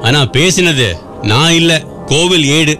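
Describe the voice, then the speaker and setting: A calm, knowing old temple priest. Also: male voice, on the high side, a little slow, faint music behind. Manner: patient, gently teasing, affectionate. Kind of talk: radio drama acting.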